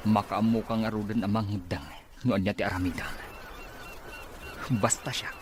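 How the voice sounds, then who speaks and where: Over clear noise, an actor plays a stern, dismissive father. The voice is fairly low, with an Ilocano accent and radio-drama delivery. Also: steady tone, normal speed, natural voice. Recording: clearly noisy ambient background.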